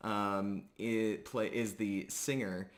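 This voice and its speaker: A man hosting a roleplay stream as game master, chatting casually and informally with halting announcements. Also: lowish voice, fairly even intonation. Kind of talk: casual chat introducing a live roleplay stream.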